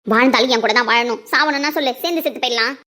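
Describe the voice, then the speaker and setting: A woman's voice: high-pitched, very fast, bright, forceful tone. A woman playing a stubborn young wife in an amateur audio drama, with defiant, taunting retorts.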